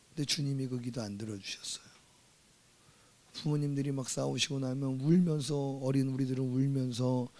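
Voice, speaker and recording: A male pastor preaching a Sunday sermon, moving between hushed personal storytelling and loud, drawn-out shouted climaxes. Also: medium pitch. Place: church sanctuary.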